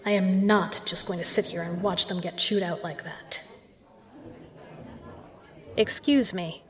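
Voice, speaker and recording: A woman's voice: on the low side, fairly even intonation, natural voice. Woman playing a poised, particular bar regular. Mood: concerned, then firm, commanding. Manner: measured, formal phrasing, self-assured. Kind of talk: scripted audio roleplay addressed to the listener.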